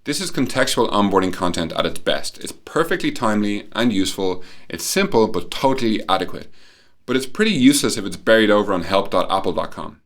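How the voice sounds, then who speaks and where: A man presenting a prepared talk as a conference speaker, explaining points clearly with emphasis and rhetorical questions. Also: fairly low pitch, animated, a little fast. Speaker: conference speaker, company employee.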